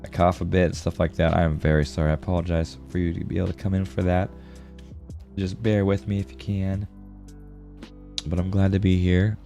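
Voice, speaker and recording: A man with a low voice, stuffed up from a sore throat, chats casually on a livestream as he draws. He talks to viewers in a friendly, slangy way. Music plays behind him. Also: little pitch movement, fairly quick, mellow. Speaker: art livestreamer. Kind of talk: casual livestream chat while drawing.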